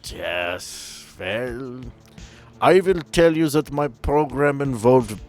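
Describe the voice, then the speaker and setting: A man's voice: mid-range voice, expressive, takes it slowly, darkish tone, faint music behind, pitched above the performer's own voice. A man voicing an unrepentant, courteous old German scientist in a tabletop game, with formal, rambling speech. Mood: coolly confessing. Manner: formal, rambling, tagging questions with "yes?" and "right?".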